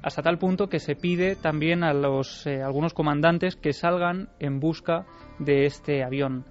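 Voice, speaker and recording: Guy on radio, slightly high voice, telling a story, muffled sound. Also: unhurried, faint music behind. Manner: narrative, addresses the host directly. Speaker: radio show contributor. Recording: dull lo-fi radio broadcast.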